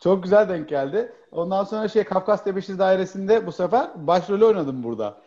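A man's voice: high voice, expressive, brisk, dark tone, dull audio. A man chatting as a guest, rambling with many hesitations and fillers. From Turkey. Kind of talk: casual chat.

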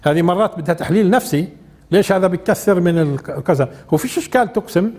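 High-voiced man giving a religious lesson. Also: lively intonation, racing, a little mellow. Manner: conversational, asks the audience questions. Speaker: Quran teacher.

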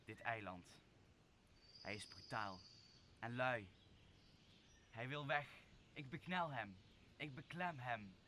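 A young man playing a wronged, commanding exiled sorcerer in a Dutch radio play, speaking solemnly and deliberately. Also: mid-range voice, animated, bright, forceful tone, slight background noise. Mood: commanding, brooding. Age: young adult. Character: wronged exiled sorcerer master, brooding and commanding, father figure. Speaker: drama student actor.

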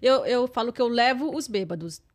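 A woman's voice: on the high side, lively intonation, a little fast, slight background noise. A woman, chatting casually on a podcast with brief, reactive remarks. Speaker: podcast co-host and app driver.

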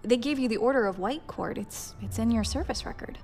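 An actress playing an earnest, supportive but firm starship captain in a science fiction audio drama. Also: female voice, fairly high pitch, fairly quick, creaky. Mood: earnest, reassuring. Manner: earnest, hushed at times. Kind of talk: dramatic acting.

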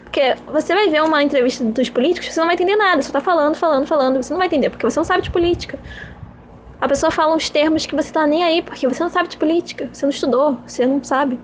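A woman's voice: high-pitched, rapid-fire, slight background noise. A young woman hosting her own podcast, musing and rambling in a self-mocking, repetitive way. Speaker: podcast host. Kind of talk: casual rambling monologue.

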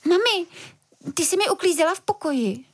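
A woman's voice: very high-pitched, lively intonation, voice pushed up. A woman voicing an anxious, imaginative young girl in a children's storybook reading.

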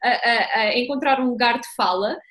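High-voiced woman, European Portuguese accent. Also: fairly bright tone. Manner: halting, repeats words while searching for phrasing. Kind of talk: conversational discussion.

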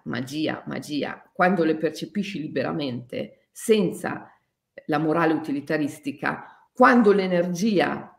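A woman teaching shamanic yoga in a spiritual talk, emphatic and repetitive, laughing softly between phrases. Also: sits low, creaky. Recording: echoey room.

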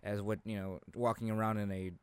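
A young man co-hosting a casual anime chat, haltingly repeating words as he searches for his phrasing. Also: fairly low pitch, level tone, smooth, no room sound. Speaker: co-host of an anime discussion show.

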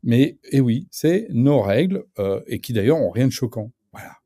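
Male radio pundit, lively and emphatic, very dark tone, dry close sound. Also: medium pitch, moderate pace, dry recording. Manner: animated, emphatic, many fillers and restarts. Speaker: guest commentator. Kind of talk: casual radio discussion.

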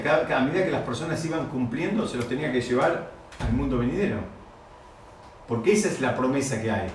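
A man teaching a Torah class, explaining step by step and asking his listeners rhetorical questions. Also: on the high side. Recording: very echoey room, distant mic, faint noise.

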